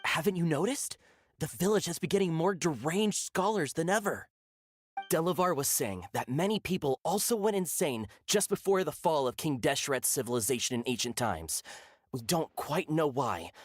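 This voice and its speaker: A man's voice: on the high side, moderate pace, natural voice. Man acting an earnest, zealous desert villager. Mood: zealous, conspiratorial. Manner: earnest, excitable, stammering when cornered. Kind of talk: video game voice acting.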